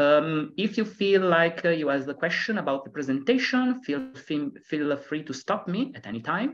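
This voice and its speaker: Speaking with an Italian accent at a moderate pace, this voice makes very wide pitch swings and big swings in loudness, with hardly any pauses. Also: man, fairly high pitch for a man. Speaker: web accessibility specialist. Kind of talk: lecture.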